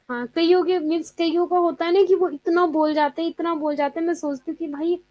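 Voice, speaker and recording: A woman's voice: very high-pitched, steady tone, moderate pace, a little mellow, no room sound, highs cut off. A young woman teaching a live online exam class in a chatty way, mixing in English terms and answering students' comments as she goes.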